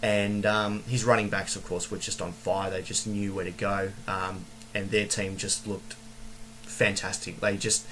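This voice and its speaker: In an Australian accent, a man speaks at a moderate pace with a fairly low pitch, a bright, sharp tone, monotone, flat intonation, and audible room echo. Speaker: vlogger. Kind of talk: casual monologue. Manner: hesitant, many fillers.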